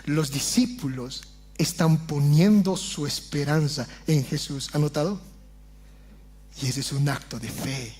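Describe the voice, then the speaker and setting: A man's voice: on the high side, unhurried, darkish tone, slightly rough. A man, a pastor preaching a sermon in a church and often addressing the congregation as brothers.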